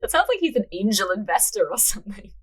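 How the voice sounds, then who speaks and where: A woman's voice: mid-range voice, very animated, quick pace, husky. A woman hosting a story podcast, moving between narration and casual banter. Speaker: podcast host, writer and narrator.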